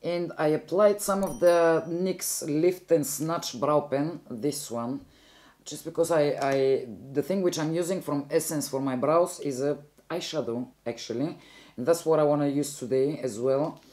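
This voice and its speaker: Bulgarian-accented woman, mellow chatty voice. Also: low voice, a little slow. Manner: chatty, rambling, self-correcting. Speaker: beauty vlogger. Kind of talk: casual makeup tutorial chat.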